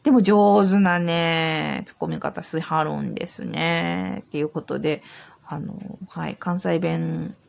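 Tipsy Kansai woman with a gravelly voice. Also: deep voice, a little slow. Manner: chatty, rambling, easygoing. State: tipsy from drinking. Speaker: podcast host. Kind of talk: casual solo podcast chat. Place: old house.

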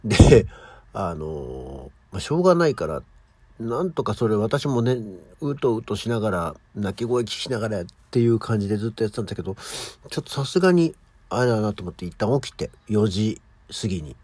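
A middle-aged man hosting his own morning show, chatting casually and with high energy as he tells a story alone. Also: sing-song, a little fast, darkish tone, husky, dry recording. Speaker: podcast host. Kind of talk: casual solo morning talk.

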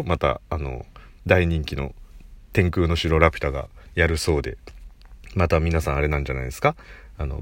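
Host, male, very low voice with wide swings in pitch, casual solo chat, self-amused, dry close recording. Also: dry recording. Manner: animated, chatty, laughs at himself. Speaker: podcast host.

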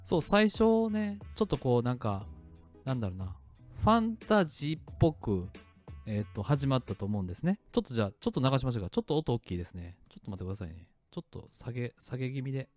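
A man hosting his own show, chatting in a relaxed way about the sound effects he made. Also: medium pitch, fast talker. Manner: relaxed and chatty, many fillers, starts and stops clips. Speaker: podcast host. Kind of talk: casual solo talk explaining his sound effects. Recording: faint music clips playing behind.

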